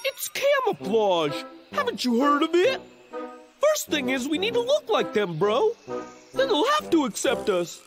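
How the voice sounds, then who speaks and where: Very high-pitched childlike cartoon bear. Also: female voice, wildly swooping pitch, a little slow, full character voice. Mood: scheming. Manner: exclamatory, playful cartoon delivery. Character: childlike, excitable, naive younger bear brother. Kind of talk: animated cartoon dub acting. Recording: music under the voice.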